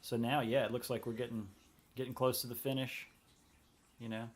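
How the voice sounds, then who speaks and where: A man with a Southern US accent and a folksy old-gentleman drawl, making wry, casual commentary over an art video. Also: mid-range voice, flat delivery, moderate pace. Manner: wry, joking.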